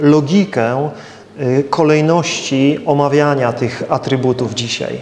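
Very slow speech comes through over light background noise. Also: man. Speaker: interpreter at a church lecture. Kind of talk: consecutive interpretation of a sermon-like lecture. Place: church. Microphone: lapel.

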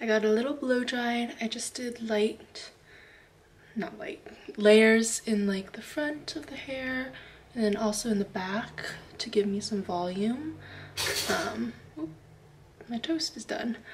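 A woman speaks at a very slow pace with long, frequent pauses, big swings in loudness and ordinary pitch variation over light background noise. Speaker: vlogger. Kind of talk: casual vlog chat. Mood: happy, relaxed. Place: home room. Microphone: phone near.

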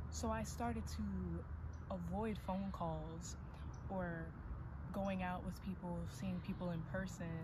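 Against noticeable background noise, a woman speaks at a very slow pace. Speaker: video blogger. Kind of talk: personal vlog monologue. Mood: reflective, calm, a bit vulnerable. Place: garden.

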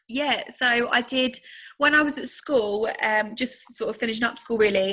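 A woman speaks at a moderate pace in a southeastern English accent. The background is quiet. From southeast England. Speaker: PE teacher. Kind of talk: casual interview. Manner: giggly, self-conscious. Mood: relaxed, cheerful. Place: home room. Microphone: webcam.

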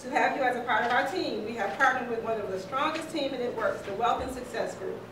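A woman at a very fast pace amid noticeable background noise and audible room echo. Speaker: network marketing team leader. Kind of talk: business training talk. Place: meeting room. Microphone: camera far.

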